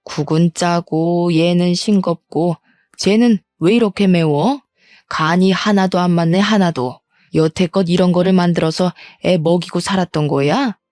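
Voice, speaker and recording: A woman's voice: fairly low pitch, a little slow, darkish tone, no echo, close to an everyday voice. A woman voicing a nagging, scornful older mother-in-law who scolds sharply and talks down to her daughter-in-law. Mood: scolding. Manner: scolding, contemptuous.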